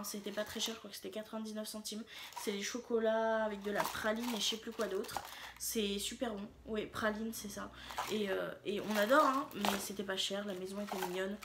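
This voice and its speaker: A woman's voice: mid-range voice, background noise. A woman talking casually to her viewers in a shopping haul vlog, chatty and rambling, with frequent hesitations and fillers. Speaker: vlogger.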